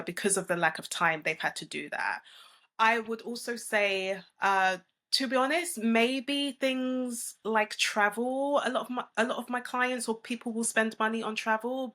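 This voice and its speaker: London woman, money coach guest; bright voice, calm explainer. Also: medium pitch. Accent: London English. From England. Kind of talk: podcast interview answers.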